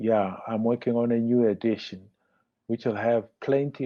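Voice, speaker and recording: A man talks at a fairly slow pace. His medium pitch stays flat and monotone. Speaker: graphic designer and educator. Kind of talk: interview.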